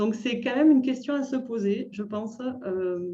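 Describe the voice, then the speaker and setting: Somewhat breathy and dark, mellow in tone, a woman with a slight southern French accent speaks at a fairly high pitch with ordinary pitch variation. Her pace is fairly slow, and audible room echo is present. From southern France. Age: 40s. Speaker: French language teacher and trainer. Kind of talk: webinar lecture. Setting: online webinar.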